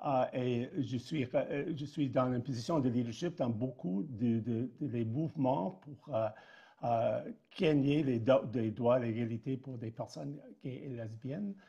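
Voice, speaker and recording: The voice has a dark, mellow tone, somewhat breathy, with ordinary pitch variation at a very slow pace. The background is quiet. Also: man, medium pitch for a man. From Quebec. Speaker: politician. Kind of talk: political debate speech. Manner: halting.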